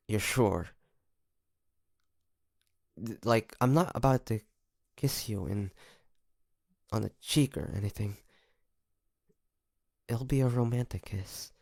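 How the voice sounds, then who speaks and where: A man playing an earnest young demon hunter in a romantic audio drama, speaking very slowly with a gravelly fry. He is soft-spoken and hesitant, tender toward the one he loves. The sound is dry and close. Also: lowish voice, no room sound, heavily acted. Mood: nervous, tender.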